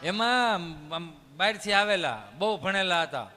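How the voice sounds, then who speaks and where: A Kathiawadi Gujarati–accented comic from Dhari, Saurashtra, Gujarat, performs folksy stories on stage, chatty and voicing the dialogue. His high voice is expressive, a little slow, and pushed and bright. A long reverb tail and soft background music fill out the live storytelling.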